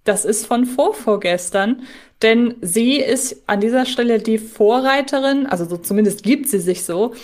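A woman's voice: a little high, normal speed, darkish tone. A woman co-hosting a podcast, chatting casually and reflectively, thinking aloud as she discusses. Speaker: podcast co-host.

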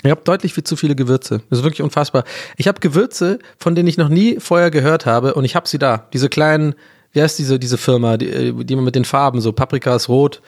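A male podcast host thinking out loud in a loose, rambling monologue. He often laughs at his own ideas and mocks himself. His voice sits at an average pitch. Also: fast talker. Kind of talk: casual solo podcast monologue.

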